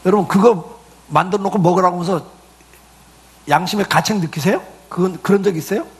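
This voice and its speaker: A man's voice: high voice, a little fast. A middle-aged male pastor giving a conversational sermon, full of rhetorical questions and acted-out quotes.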